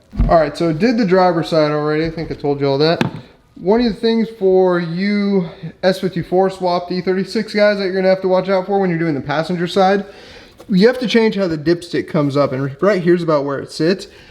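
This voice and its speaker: A man speaks at a high pitch and a fairly quick pace with ordinary pitch variation, amid noticeable background noise. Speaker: car enthusiast YouTuber. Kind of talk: DIY car repair tutorial. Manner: casual, hesitant with fillers.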